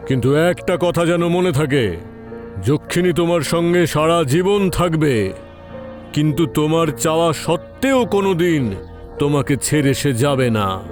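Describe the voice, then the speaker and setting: Man voicing a slow, grave tantric holy man. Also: fairly high pitch, lively intonation, faint music behind. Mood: grave, warning. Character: solemn male forest tantric holy man, warning. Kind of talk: horror audio storytelling.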